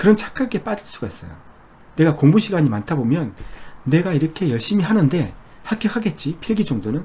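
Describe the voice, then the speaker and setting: A man with a fairly high, dark and mellow voice full of vocal fry talks at a fairly quick pace with very wide pitch swings. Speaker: exam prep instructor. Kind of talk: lecture. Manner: fast.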